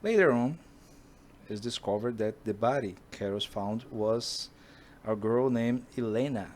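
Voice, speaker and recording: A Brazilian Portuguese speaker with a darkish tone talks in English straight to the camera, making a pitch for a film based on his own books. He speaks with a Brazilian accent and keeps pausing to search for words in this casual monologue.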